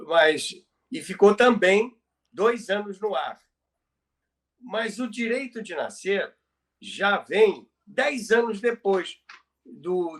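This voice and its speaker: Bright and high-pitched, this Brazilian-accented man co-hosts a conversational podcast of radio history commentary. He lays out history with emphasis, often repeating phrases to drive points home.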